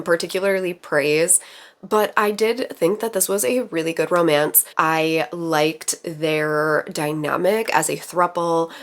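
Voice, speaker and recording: A woman book vlogger chatting casually about her reading, a little raspy and rambling with fillers. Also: fairly low pitch. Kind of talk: casual chat.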